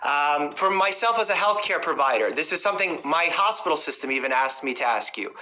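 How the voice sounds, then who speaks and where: Man, New York accent, interviewer, bright voice, methodical questions. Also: fairly high pitch, expressive, a little fast, slight background noise, poor audio. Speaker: family doctor interviewer.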